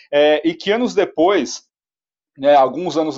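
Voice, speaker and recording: A man with a São Paulo accent, fairly high in pitch, at a moderate pace. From São Paulo city, Brazil. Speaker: conservation park management representative. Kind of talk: panel discussion.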